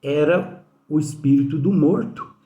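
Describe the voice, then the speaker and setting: A man leads a spiritist study lesson conversationally, telling anecdotes and often ending sentences with tag questions to his listeners. His voice is a little high and warm, and he is unhurried. It was recorded in an echoey room with faint music.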